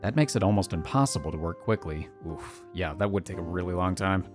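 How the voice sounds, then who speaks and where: A woman's voice: very deep voice, animated, brisk, music in the background. A woman reading visual novel text aloud as a let's player, slipping in casual, wry, joking asides.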